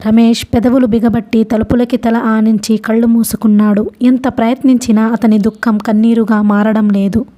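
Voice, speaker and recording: A woman narrating a novel as an audiobook, with steady, emotive storytelling. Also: fairly high pitch, moderate pace, hardly any pauses.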